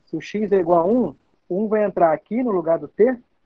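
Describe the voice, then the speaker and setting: At a moderate pace, a man talks with a Brazilian accent. His pitch is high. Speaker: math tutor. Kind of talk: online tutoring lecture.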